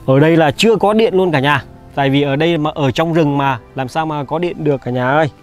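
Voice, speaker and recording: A man's voice: fairly high pitch, quick pace, faint music behind. A young man vlogging on a village visit, chatty and caring, talking straight to his viewers. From Vietnam. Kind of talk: casual vlog chat.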